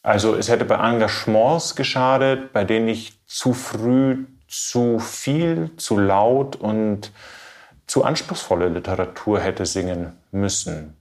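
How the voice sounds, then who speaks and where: A man from Bavaria, a trained baritone, giving reflective, measured interview answers and searching for his words. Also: darkish tone. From Bavaria, Germany. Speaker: classical baritone singer being interviewed.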